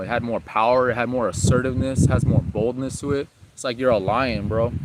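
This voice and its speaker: Noticeable background noise sits behind a man speaking at a fairly quick pace. His pitch is medium. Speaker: YouTuber doing live Q&A. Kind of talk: casual livestream chat. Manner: loud.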